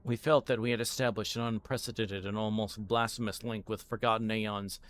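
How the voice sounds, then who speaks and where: A man reading a story aloud live in audiobook style, halting now and then and stumbling over words. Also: lowish voice, flat delivery.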